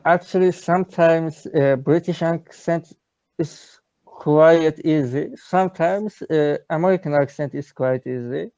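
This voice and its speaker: A man's voice: a little high, measured pace, darkish tone, no room sound, highs cut off. A man with a Turkish accent, a learner of English, talking on a video call and often stopping to search for words. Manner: hesitant, searching for words, many uhs. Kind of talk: casual video-call lesson chat.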